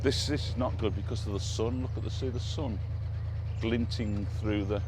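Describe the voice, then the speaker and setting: Deep-voiced Englishman over loud engine hum. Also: fairly even intonation, normal speed. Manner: jokey, bantering. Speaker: narrowboat vlogger. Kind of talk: casual chat, commentary while cruising. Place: outdoors on a narrowboat on a canal. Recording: outdoor recording with loud boat engine hum. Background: engine hum, outdoor noise.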